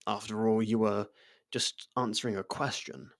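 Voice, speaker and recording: A man playing a loyal servant and close friend to royalty in an ASMR roleplay, hesitant, deferential and familiar, gently teasing. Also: fairly low pitch, flat delivery, normal speed, natural voice. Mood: concerned, hesitant. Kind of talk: ASMR roleplay audio drama.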